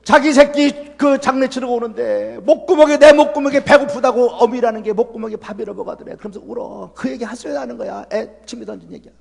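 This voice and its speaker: A middle-aged man delivers a revival sermon in a church sanctuary, his voice sitting notably high. He talks in a folksy, emphatic way, pressing the congregation with rhetorical questions. The room carries a long reverb tail. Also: quick pace, gravelly, hardly any pauses, darkish tone, breathy edge. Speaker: pastor.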